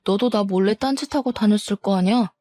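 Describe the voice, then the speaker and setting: A woman's voice: medium pitch, brisk, mellow, no room sound, close to an everyday voice. A woman voicing a defensive, scornful cheating husband who keeps accusing his wife, in a dry close recording. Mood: angry. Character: defensive cheating husband, gym owner, middle-aged man.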